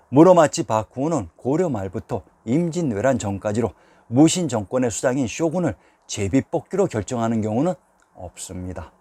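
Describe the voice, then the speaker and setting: A man narrating a scripted history lecture at a measured pace, putting rhetorical questions to the viewers. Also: mid-range voice, mellow, no echo.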